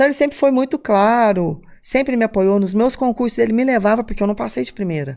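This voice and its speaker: Very fast and lively in intonation, a woman's fairly high-pitched voice has a dark, mellow tone on a very clean recording with a silent background. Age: 40s. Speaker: military police sergeant. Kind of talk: podcast interview. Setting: podcast studio, streamed live.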